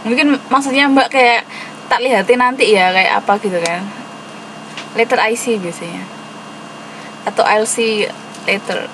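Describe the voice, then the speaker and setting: A woman's voice: a little high, a little slow. Patient woman teacher, noisy room. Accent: Javanese. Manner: patient explaining, mixing English terms in, light laughs. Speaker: English teacher. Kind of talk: online English class. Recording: noisy room with air conditioning.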